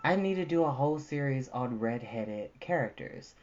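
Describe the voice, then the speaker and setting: A livestream host of about thirty chatting casually and exclaiming in an animated, talkative way. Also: mid-range voice, moderate pace, lo-fi sound. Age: 30s. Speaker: livestream host who reads books aloud. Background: prominent jazz music.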